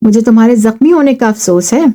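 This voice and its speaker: A woman voicing Rabia, a gentle, modest and devout young woman who speaks earnestly. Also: a little high, lively intonation, natural voice. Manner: soft, earnest.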